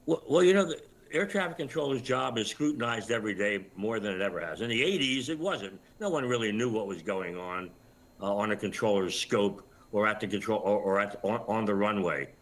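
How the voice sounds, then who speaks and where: Older man, measured and halting. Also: on the low side, a bit bright. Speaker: retired air traffic controller, interview guest. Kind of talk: live news interview commentary.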